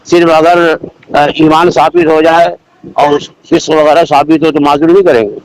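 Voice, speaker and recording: A man speaking as a Muslim cleric in a phone debate, defending his position haltingly and repeating himself. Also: a little high, fairly even intonation, no echo. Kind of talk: religious debate on a phone call. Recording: noisy phone call recording.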